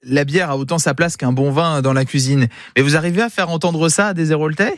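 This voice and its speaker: A male radio host with a slightly high-pitched voice, recorded close and dry. He chats his way through an interview in a conversational style. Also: fairly quick, a bit bright, dry recording.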